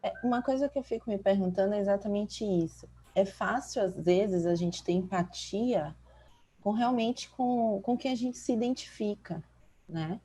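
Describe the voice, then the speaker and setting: Husky Bahian woman telling stories. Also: mid-range voice, normal speed, dark tone. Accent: Bahian Portuguese. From Salvador, Bahia, Brazil. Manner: reflective, storytelling, many filler tags like "né". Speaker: doctor and podcast co-host. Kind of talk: casual conversation.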